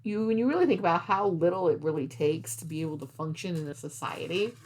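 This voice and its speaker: A woman's voice: lowish voice, quick pace, a little mellow, slight background noise. A woman hosting a craft vlog, chatting casually in a rambling way and thinking aloud as she goes. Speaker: cross-stitch vlog host. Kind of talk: casual rambling chat to camera.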